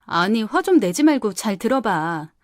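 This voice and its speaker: A woman's voice: mid-range voice, very animated, moderate pace, no room sound, studio quality, close to an everyday voice. A woman playing a selfish, scornful young wife who wheedles and then snaps back defensively. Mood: wheedling. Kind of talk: audio drama.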